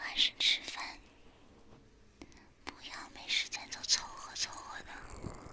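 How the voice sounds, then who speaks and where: A whispering woman with a gentle tone, a very slow pace, long and frequent pauses, big swings in loudness and noticeable background noise. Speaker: ASMR creator. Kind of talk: ASMR girlfriend roleplay, sleep-aid talk. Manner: whispered, soft, gentle.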